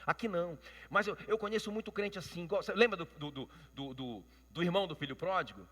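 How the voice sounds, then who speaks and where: A Brazilian pastor preaches with a bright, forceful voice, pitched a little above most men. He speaks emphatically and keeps calling out to the congregation. His voice rolls through a long church reverb. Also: animated, quick pace. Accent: Brazilian Portuguese. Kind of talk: sermon.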